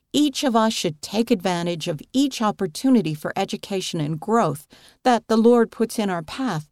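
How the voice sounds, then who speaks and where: A woman reading a magazine article aloud as scripted narration, earnest and measured. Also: lowish voice, darkish tone, no echo, studio quality.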